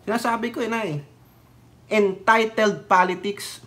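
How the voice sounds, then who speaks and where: A man's voice: high-pitched, steady tone, a little slow, fairly bright tone. A man from the Philippines ranting in casual political commentary, sarcastic and mocking, often laughing and mixing in English phrases. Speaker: political vlogger.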